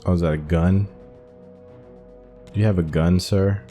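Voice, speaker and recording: Low-voiced man doing casual game commentary. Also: steady tone, measured pace, warm tone, faint music behind. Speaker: gaming channel host. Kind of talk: casual live playthrough commentary.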